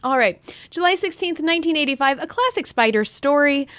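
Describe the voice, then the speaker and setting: A woman with a high voice, recorded close and dry, co-hosts a chatty podcast. Her delivery is playful and giggly, slipping jokey asides into what she presents. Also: expressive, a little fast, a bit bright, no echo. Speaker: podcast co-host. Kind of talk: playful comics chat podcast.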